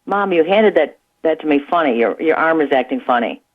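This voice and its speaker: A woman in her sixties calling into a radio show, giving brief, soft-spoken answers. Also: low-pitched, animated, brisk. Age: 60s. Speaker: caller. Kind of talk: phone-in radio conversation. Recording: phone line.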